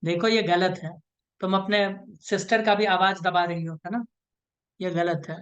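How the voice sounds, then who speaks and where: A man's voice: sits high, fairly even intonation, measured pace, a bit bright, highs cut off. A man teaching an online class, explaining step by step in a playful, teasing way and often checking that students follow. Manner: playful, teasing, keeps asking "right?".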